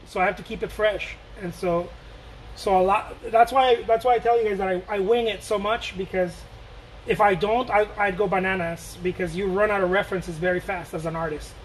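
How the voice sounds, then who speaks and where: Chatty high-voiced man from Mexico. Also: slight background noise, low-quality recording. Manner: rambling, jokey, reads out and answers viewer questions. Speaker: painter streaming to viewers. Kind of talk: casual live painting chat.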